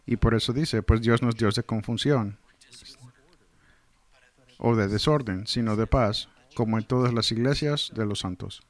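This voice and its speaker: A man's voice: lowish voice, a little slow. A man delivering a verse-by-verse sermon in translation, earnestly reading scripture and explaining it. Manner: earnest, explanatory, reads scripture then comments. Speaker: Spanish translator of a pastor's sermon.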